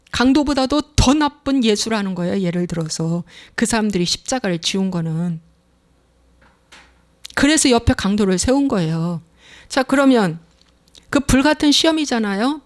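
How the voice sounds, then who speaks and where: A middle-aged woman pastor preaching a sermon, emphatic and repeating her phrases. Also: a little high. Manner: emphatic, repeats phrases, acts out inner voices.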